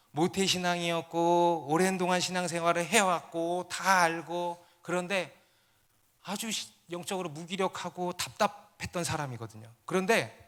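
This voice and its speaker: High, bright-voiced pastor preaching. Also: male voice. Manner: storytelling, rising to emphatic peaks. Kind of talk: sermon.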